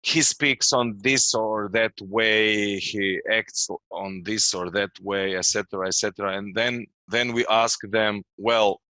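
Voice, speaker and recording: Man, bright voice, dry close sound, podcast host. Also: lowish voice, no room sound, low-quality recording. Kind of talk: interviewing.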